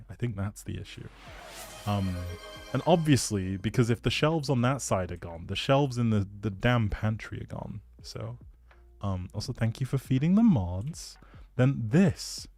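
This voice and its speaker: Low-voiced man, playful rambling streamer. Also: expressive, a little slow, a little mellow, soft background music. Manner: playful, self-deprecating, rambling. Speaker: streamer, host. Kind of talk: casual livestream chat, showing a game build.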